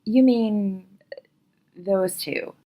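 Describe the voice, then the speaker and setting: Woman playing slow-talking, flirty dance guest. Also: medium pitch, dark tone. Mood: flirty, amused. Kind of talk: audio romantic comedy acting.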